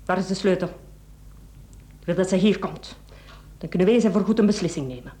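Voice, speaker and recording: An actress with a Flemish accent playing a cold, domineering, calculating wife in a radio play, commanding and clipped. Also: female voice, lowish voice, lively intonation, a little fast, warm tone, close to an everyday voice. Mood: stern, accusing. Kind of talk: Dutch-language radio play acting.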